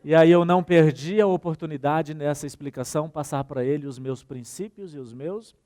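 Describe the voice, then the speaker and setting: In a brisk voice on the high side, this workshop presenter with a Brazilian Portuguese accent shares lively anecdotes, voicing the dialogue himself and talking directly to those listening.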